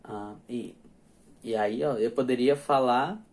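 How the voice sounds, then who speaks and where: A young man explaining grammar in a loose, conversational lesson. He restarts his sentences often and keeps checking in with his students as he goes. His pitch sits in a middle range for a man. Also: slow pace, darkish tone. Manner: chatty, many restarts and checks like "ok?" and "tá?". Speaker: English teacher. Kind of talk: casual spoken grammar lesson.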